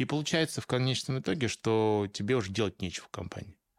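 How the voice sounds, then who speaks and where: Lively intonation at a fairly quick pace, with a dry, close sound and no echo. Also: man. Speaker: entrepreneur and coach. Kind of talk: interview.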